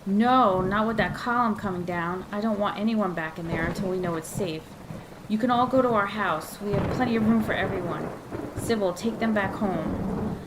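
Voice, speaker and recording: A woman's voice: mid-range voice, close to an everyday voice. Decisive motherly woman over rain and thunder, acted. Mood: decisive, urgent. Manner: brisk, authoritative. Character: caring, decisive mother, a town mayor in charge. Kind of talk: audio drama acting. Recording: noisy rain and thunder sound scene.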